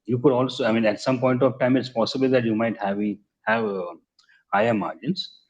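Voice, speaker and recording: An Indian man answering investor questions as a company executive on an earnings call, in measured, hesitant phrasing with repeated words. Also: medium pitch, fairly even intonation, a little mellow. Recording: muffled conference call audio.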